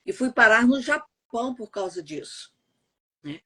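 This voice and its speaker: Over a call, a middle-aged Brazilian voice actress and translator from Goiás chats as a podcast guest in a neutral accent with no regional trace. Her husky, somewhat bright, slightly high voice is very animated but measured in pace; she laughs readily and keeps tagging sentences with "né?".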